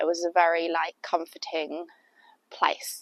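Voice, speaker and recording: A woman with an English accent is heard in a dry, close sound with no echo. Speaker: YouTuber. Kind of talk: storytime. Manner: casual, hesitant with fillers.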